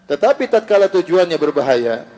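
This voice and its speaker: A man's voice: sits high, sing-song, fairly quick, dark tone. Male religious teacher, lecture style, recites Arabic verses, reverberant hall recording. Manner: asks the audience rhetorical questions and answers them himself; recites Arabic verses between plain explanations. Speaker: Islamic teacher.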